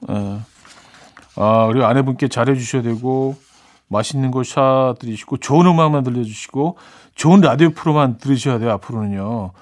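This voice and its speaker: A middle-aged man hosts a radio music request show in an easy, chatty tone. He reads out listener messages, jokes about them and introduces songs in a relaxed, conversational way. His voice sits in an ordinary middle range. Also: mid-range voice. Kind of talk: casual radio show hosting.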